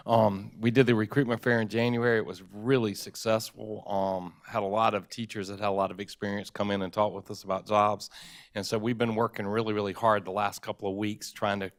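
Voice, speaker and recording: A man on the school district staff giving an upbeat report to the board in a loud voice. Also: fairly low pitch, little pitch movement, a little fast.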